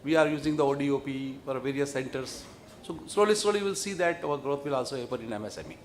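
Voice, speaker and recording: A man's voice: mid-range voice, fast. A man with an Indian accent answering questions as a bank executive, emphatic and repeating words. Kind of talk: question-and-answer with press or analysts. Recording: clear background noise, room ambience.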